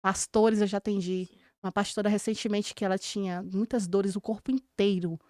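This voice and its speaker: A woman's voice: mid-range voice, fairly even intonation, a little fast, dark tone, no room sound, studio quality. A woman with a Brazilian Portuguese accent, a Christian therapist, telling stories from her practice in earnest and acting out her clients' words. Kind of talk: podcast conversation.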